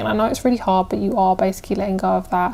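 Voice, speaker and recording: A woman's speech comes through with noticeable background noise around it. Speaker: tarot reader. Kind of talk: tarot reading to camera. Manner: casual, filler-heavy.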